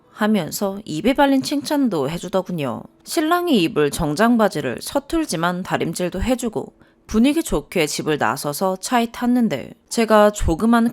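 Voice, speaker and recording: A young woman reading a first-person story aloud as narrator, expressive and lively. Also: lowish voice.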